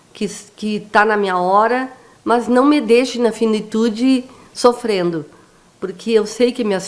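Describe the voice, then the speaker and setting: A woman using an ordinary speaking voice keeps her pitch fairly high, with ordinary pitch variation, and moves at a fairly slow pace. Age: 60s. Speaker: businesswoman, clothing shop owner. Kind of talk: interview.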